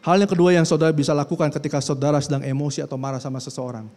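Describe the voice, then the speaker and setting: A man's voice: mid-range voice, fairly even intonation, racing. Indonesian man preaching in an echoing church. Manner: conversational, acts out quoted speech, rises to loud scripture reading. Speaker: pastor. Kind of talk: sermon. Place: church hall. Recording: long church hall reverb.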